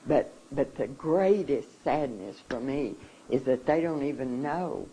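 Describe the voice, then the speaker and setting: A seminar speaker talks to the audience in a slow, deliberate way, with many pauses and restarts. The delivery is emotional and halting. A faint hum of room ambience sits behind the voice. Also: mid-range voice, animated, dark tone, poor audio. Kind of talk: personal talk to an audience.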